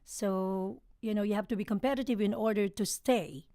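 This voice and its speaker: A woman's voice: mid-range voice, fairly even intonation, moderate pace, warm tone, no room sound, studio quality. A woman from the Philippines with a Filipino accent, a singer chatting cheerfully as a guest on a talk show, laughing often. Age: adult, sang professionally since eighteen. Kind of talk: casual interview chat. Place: podcast studio.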